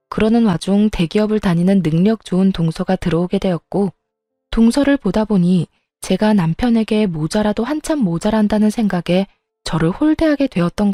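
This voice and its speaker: A woman narrates a first-person story in a steady, confiding way. Her voice is mellow and warm, recorded dry and close, with faint music behind her. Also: medium pitch, no room sound. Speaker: storyteller narrating as daughter-in-law.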